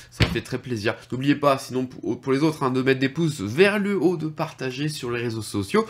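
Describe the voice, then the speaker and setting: A man with a French accent hosting a casual online lesson, chatty and jokey, with frequent fillers and asides. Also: medium pitch. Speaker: YouTube host teaching Japanese.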